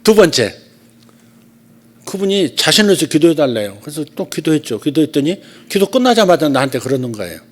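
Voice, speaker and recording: A man's voice: a little high, big pitch swings, fairly quick. Male pastor preaching in storytelling style. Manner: storytelling, with loud and soft swings. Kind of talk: conversational sermon. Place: church service.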